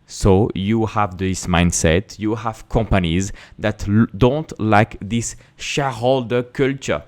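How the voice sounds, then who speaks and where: A native French speaker from France, host of an investing channel, talks slowly to camera in a fairly low-pitched voice with a French accent. His casual explanation is emphatic, peppered with rhetorical questions, repeated words and restarts.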